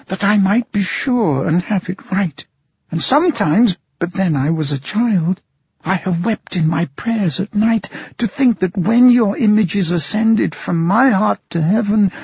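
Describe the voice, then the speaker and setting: A man's voice: vocal fry, a little mellow, breathy edge, no echo, heavily acted. A man doing a tearful blind girl. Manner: trembling, pleading, high and slow. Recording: muffled, dry, lo-fi.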